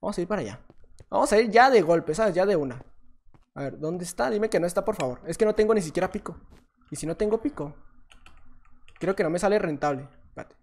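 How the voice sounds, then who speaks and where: Excitable Mexican gamer guy commentating. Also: high-pitched, quick pace, pauses often. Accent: Mexican Spanish. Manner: chatty, self-mocking, bursts into excited shouts. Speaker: gaming YouTuber. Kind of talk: live gameplay commentary.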